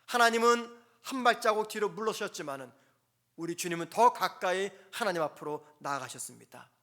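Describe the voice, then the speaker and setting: A male pastor preaching a sermon at a dawn prayer service in a church, earnest and emphatic, with pauses between short phrases. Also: high-pitched, expressive, sharp tone.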